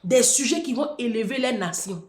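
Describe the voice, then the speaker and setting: Woman vlogger, provocative taunting rant, bright-ish voice, roomy echo. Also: fairly high pitch, expressive, moderate pace. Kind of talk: mocking monologue to camera. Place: room in France. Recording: echoey room.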